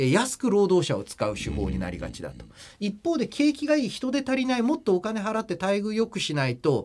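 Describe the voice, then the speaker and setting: A high-pitched man at a fairly quick pace, with very wide pitch swings. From Tokyo, Japan. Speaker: economist. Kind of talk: radio interview. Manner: soft-spoken.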